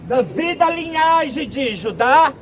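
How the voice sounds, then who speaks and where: A Brazilian man preaching a sermon outdoors, speaking in slow, deliberate, drawn-out phrases. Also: very high-pitched, big pitch swings. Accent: Brazilian Portuguese. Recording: outdoor street noise with traffic.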